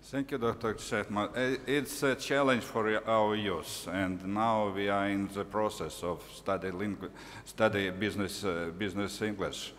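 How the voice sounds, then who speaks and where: A man's voice: on the low side, steady tone, measured pace, few pauses, fairly bright tone, big-room sound, a little hiss or hum. A man with a Ukrainian accent chairing a Q&A, hesitating often with fillers. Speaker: moderator. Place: large university hall.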